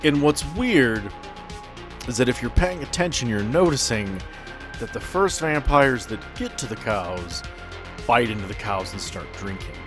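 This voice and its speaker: A man's voice: medium pitch, animated, unhurried, over music. A man narrating a tabletop role-playing game as game master.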